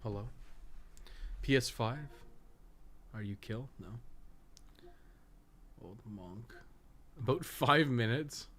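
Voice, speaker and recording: A man's voice: mid-range voice, slow pace, long pauses, fairly bright tone. A man hosting a casual game livestream, talking half to himself in an offhand, self-deprecating, muttering way. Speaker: livestream host playing a video game.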